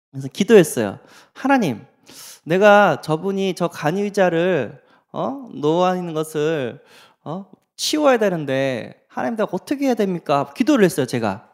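A middle-aged man preaching, telling personal stories and asking the audience rhetorical questions. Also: fairly high pitch. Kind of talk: sermon storytelling.

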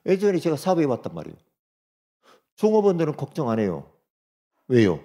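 A man preaching a sermon as pastor, swinging from loud urging to quiet asides and speaking directly to congregation members. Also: fairly high pitch, wildly swooping pitch, a little fast.

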